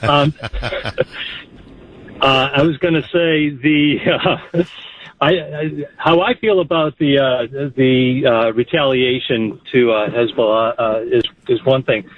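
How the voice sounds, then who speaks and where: A man calling in to a radio show, halting and full of fillers, chuckling as he talks. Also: medium pitch. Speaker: caller. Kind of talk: phone-in caller chat. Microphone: telephone. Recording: muffled phone line.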